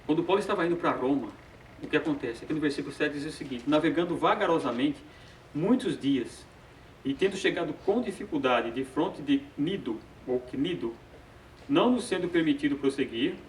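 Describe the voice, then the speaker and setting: A man's voice: fairly high pitch, a little hiss or hum. Man teaching Bible study, roomy sound. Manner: hesitant, repeats filler sounds, chuckles often. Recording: roomy sound from a distant mic.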